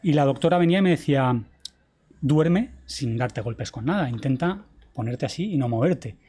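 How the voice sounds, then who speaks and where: Man telling a story, mellow tone. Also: mid-range voice, animated, normal speed, slightly rough. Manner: vivid retelling, acts out quoted dialogue, swears casually. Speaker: podcast guest, traveler. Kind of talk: casual storytelling interview.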